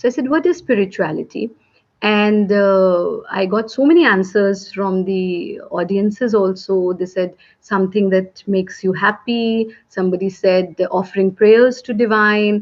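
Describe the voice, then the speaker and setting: A woman with an Indian accent talks at a fairly slow pace, her medium pitch showing ordinary variation. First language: Hindi. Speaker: yoga trainer and dance teacher. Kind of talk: panel talk.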